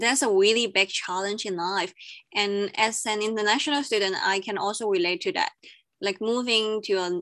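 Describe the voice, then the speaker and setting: An ordinary speaking voice, a woman's, medium in pitch, with fairly even intonation and a moderate pace over a quiet background. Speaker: podcast co-host. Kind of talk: interview.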